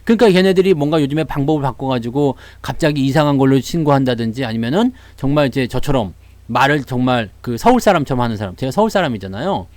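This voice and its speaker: A man's voice: medium pitch, lively intonation, fast, darkish tone, no room sound. A man who speaks with a Jeolla dialect, hosting a casual stock market livestream, greeting viewers and laughing often. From Seoul, South Korea.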